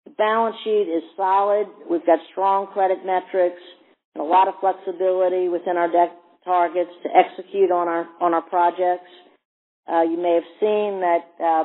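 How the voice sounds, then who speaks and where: Male executive on an investor call, notably high voice, stop-start phrasing, narrow telephone audio. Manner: halting, often repeats words. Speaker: company executive. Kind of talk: earnings call presentation and answers. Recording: tinny narrow phone-line sound.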